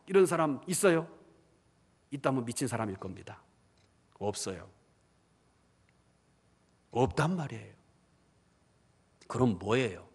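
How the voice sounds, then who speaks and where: A male pastor preaching a sermon, animated, asking the congregation questions and acting out believers' inner voices. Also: mid-range voice, a little slow, pauses often, breathy edge. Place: church hall. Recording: church hall reverb.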